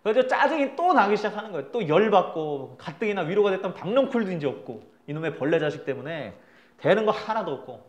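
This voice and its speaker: Pastor man telling a bible story in his sermon, chatty and animated, voice jumps all over, roomy echo. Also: high voice, quick pace, lo-fi sound.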